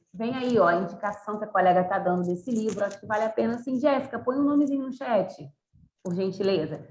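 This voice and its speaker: A woman teacher leading an online class discussion in a chatty, encouraging way, with many fillers. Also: medium pitch. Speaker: university teacher. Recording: echoey room with faint noise.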